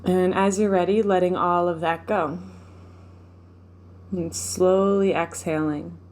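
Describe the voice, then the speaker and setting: A woman leading a guided meditation, speaking gently and without hurry, giving instructions with pauses. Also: fairly low pitch, a little hiss or hum. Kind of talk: guided meditation, live session.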